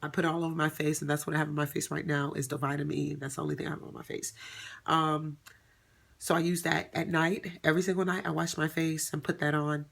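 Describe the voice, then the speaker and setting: A woman's voice: low voice, level tone, quick pace, creaky, fairly bright tone, slight background noise. A woman in her thirties chatting casually to camera as a vlogger, rambling with many ums and self-corrections. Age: 30s. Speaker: beauty vlogger.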